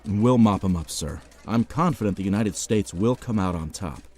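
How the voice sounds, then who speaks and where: A man's voice: on the low side, normal speed, mellow, close to an everyday voice. A man voicing a cocky, street-tough American soldier in his late twenties in an audio drama, respectful to rank but full of dry bravado. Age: 20s.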